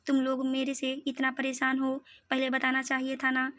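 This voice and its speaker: An upset young woman heroine in a storybook reading, voiced by a woman narrator. Her voice is high and flat in pitch, and dry. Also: normal speed, dry recording. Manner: tearful, touchy.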